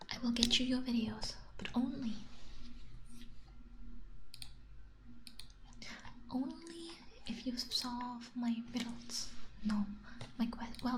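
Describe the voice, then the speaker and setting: A woman playing a condescending, suspicious AI age-checker that feigns friendliness, whispering haltingly in an ASMR roleplay. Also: a little high, background noise, lightly acted. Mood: falsely friendly.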